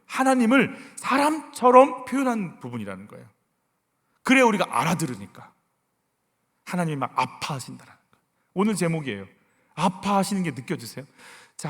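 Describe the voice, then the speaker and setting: A middle-aged man preaching a sermon as senior pastor, acting out voices and sighs and moving between loud and hushed delivery. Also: high voice, big-room sound. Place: church sanctuary.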